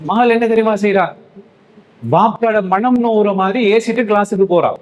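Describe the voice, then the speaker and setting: A man's voice: high-pitched, fairly even intonation, moderate pace, low-quality recording. A man who preaches a sermon to young men, telling stories and answering his own questions. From Sri Lanka. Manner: storytelling, asks questions and answers them himself.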